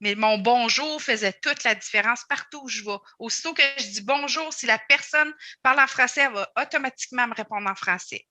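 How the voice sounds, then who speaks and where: A woman speaks in a very bright, sharp voice, recorded dry and close. She argues steadily and builds her case step by step. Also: fairly high pitch, a little fast, hardly any pauses, dry recording. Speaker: panelist.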